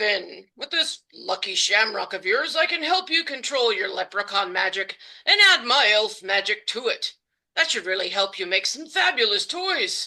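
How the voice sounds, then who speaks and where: A woman performs a put-on character voice at a high pitch. It has very wide pitch swings. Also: moderate pace. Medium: solo performance.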